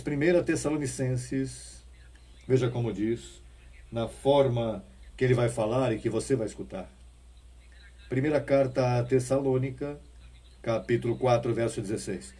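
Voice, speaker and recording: A man's voice: medium pitch, dark tone, far from the mic. A man preaching a sermon with emphatic rising bursts and rhetorical questions to his congregation.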